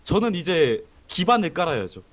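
A man's voice: a little high, big pitch swings, normal speed. A man as a guest on a voice-chat talk show, joking in a mock-serious way. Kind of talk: casual call-in chat.

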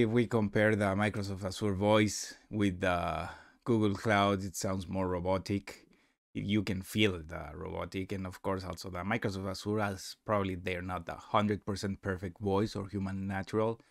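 Low-voiced man explaining software. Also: no room sound, clean studio sound. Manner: halting, explanatory. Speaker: software demonstrator. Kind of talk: unscripted screen-recording tutorial narration.

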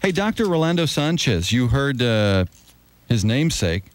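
A man's voice: medium pitch, very animated, normal speed, a little hiss or hum. A man with an American accent bantering casually as a morning radio host, close on a studio mic. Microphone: close broadcast studio microphone with headphones.

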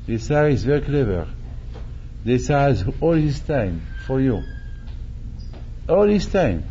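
A man's voice: medium pitch, big pitch swings, moderate pace, dark tone, lo-fi sound, slight background noise. An older man, a rabbi, preaching animatedly, repeating phrases and acting out quotes, speaking into a stand mic in a synagogue hall. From Morocco. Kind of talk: sermon. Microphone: stand mic at chest.

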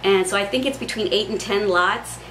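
A woman's voice: medium pitch, brisk, fairly bright tone. Woman, 40s, casual home tour vlog, rambling and chatty, roomy echo, faint hiss. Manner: chatty, rambling, with many ums. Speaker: craft vlogger. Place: small pink bedroom with hard walls. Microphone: camera mic on a tripod. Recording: echoey room, faint background hiss.

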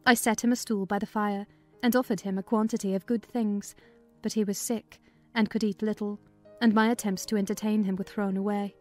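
A woman's voice: medium pitch, little pitch movement, a little fast, warm tone. Woman narrator over faint music. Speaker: audiobook narrator. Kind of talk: dramatized storybook narration.

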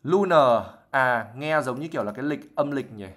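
A male English teacher explaining vocabulary in a relaxed, chatty way on a live lesson. He mixes English words into his explanations, reads passages from a novel aloud and acts out examples as he goes. His pitch sits in an ordinary middle range. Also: moderate pace. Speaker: IELTS teacher.

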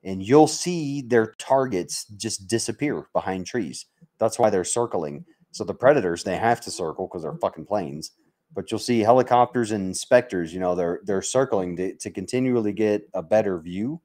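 A man's voice: lowish voice, moderate pace, a little mellow. An American man from Mississippi chatting casually to livestream viewers, blunt and sweary, in a joking, bantering way. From Mississippi, United States. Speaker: livestream host, military veteran.

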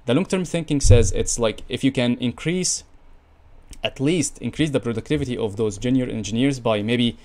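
A man's voice: mid-range voice, moderate pace, darkish tone. A young man hosting a video call interview, thinking aloud with many fillers and searching phrasing. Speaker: podcast host. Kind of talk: casual interview conversation. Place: home room, video call.

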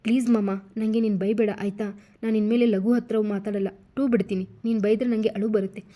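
A clingy three-year-old girl pleads through her tears in a storybook tale, voiced by a woman narrator. The tone is warm and mellow. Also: medium pitch, steady tone, fairly quick, lightly acted. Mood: pleading. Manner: pleading, sobbing speech.

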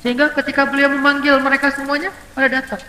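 A man gives a casual sermon, telling a story in easy conversational speech and acting out the calls he quotes. His voice sounds bright and clear. It rings through a large echoey hall with a long reverb and a faint noise behind it. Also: very high voice, little pitch movement, very fast. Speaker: Islamic preacher.

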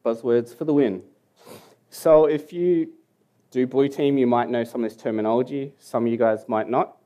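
A man's voice: medium pitch, normal speed, mellow. A young Australian man with an Australian accent, giving a casual, joking conference talk that mumbles at times in a hall. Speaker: security conference speaker.

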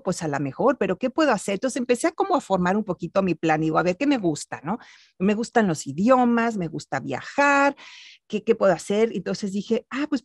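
Animated woman on a video call. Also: on the low side, slightly rough, no room sound, clean studio sound. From born in Italy, raised in Mexico City. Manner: animated, gestures while telling stories. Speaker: guest, actress and voice artist. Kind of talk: casual interview storytelling. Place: home room with bookshelf.

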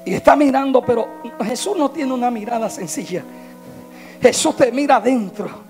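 A male pastor preaching an impassioned sermon, swinging from shouted lines to hushed, tearful tones. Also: very high voice, normal speed, faint music behind.

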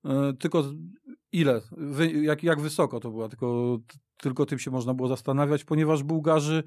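A man with a fairly high voice speaks at a studio microphone and gives a long, searching account of old matches. He restarts his sentences often while he looks for the right words. The sound is close and dry, with no room around it. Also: fairly quick, a little mellow, dry recording. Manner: talks at length, searching for words with frequent restarts. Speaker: radio show guest, football pundit. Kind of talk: casual sports discussion. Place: radio studio.

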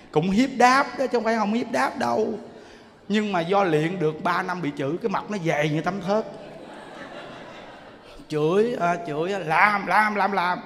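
A man's voice: high voice, gravelly. Man, monk giving a dharma talk, exclaiming, long hall reverb. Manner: animated, exclaiming, quick shifts between loud and soft. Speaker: monk preacher.

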